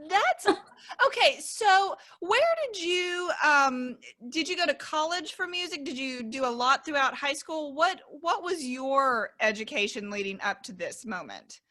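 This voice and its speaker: A woman's voice: high-pitched, expressive, unhurried, sharp tone. A woman hosting a podcast interview, chatting casually and exclaiming with enthusiasm. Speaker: podcast host.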